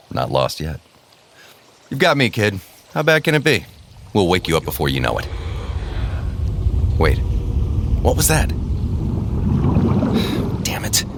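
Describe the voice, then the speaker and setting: A man's voice: sits low, huge pitch swings, slow, gravelly, pauses often, echoey room, exaggerated voice. A man acting as an urgent, protective wizard mentor with wry, muttered asides in an audio drama. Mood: wry, reassuring.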